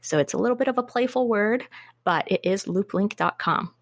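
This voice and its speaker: A woman guest on a business podcast, answering interview questions in a measured, methodical way. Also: medium pitch, gravelly, dry recording. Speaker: guest, business systems consultant.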